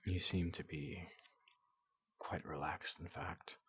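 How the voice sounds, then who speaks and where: Gentle giant robot doctor for ASMR roleplay: hushed, whispery, reassuring, very unhurried, recorded dry. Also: sits low, steady tone, no room sound. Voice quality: breathy, often whispering. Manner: slow, halting, reassuring. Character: large gentle robot doctor soothing a human patient. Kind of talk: soft-spoken ASMR roleplay.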